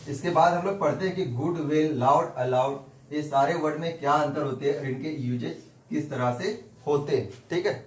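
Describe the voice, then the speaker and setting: A man's voice: fairly high pitch, moderate pace. Man teaching grammar in an echoey room. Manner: repetitive, asks and answers his own questions. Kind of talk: whiteboard grammar lesson. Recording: echoey room with faint background noise.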